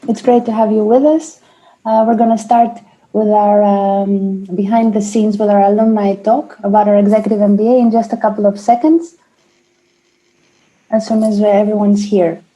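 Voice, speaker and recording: A woman with a Greek accent hosting an online panel webinar over a video call, speaking in a measured way with frequent fillers and restarts. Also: medium pitch, flat delivery, mellow, poor audio. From Greece. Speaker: webinar host, admissions manager.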